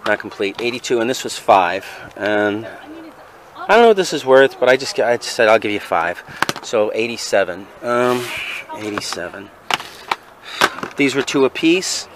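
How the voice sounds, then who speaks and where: A man's voice: medium pitch, lively intonation, normal speed, background noise. A man filming his flea market finds outdoors beside a van, tallying up what he spent with a lot of fillers. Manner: mumbled, hesitant, counting aloud with fillers. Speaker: flea market vendor and vlogger. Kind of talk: casual vlog narration, tallying purchases. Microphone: handheld camera, filming first-person.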